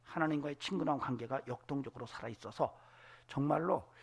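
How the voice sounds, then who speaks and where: A man preaching a Sunday sermon, animated, acting out voices and dropping to whispers. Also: medium pitch, a little fast, creaky, breathy edge. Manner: animated, acts out voices in quotes, drops to whispers. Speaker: pastor. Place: church sanctuary.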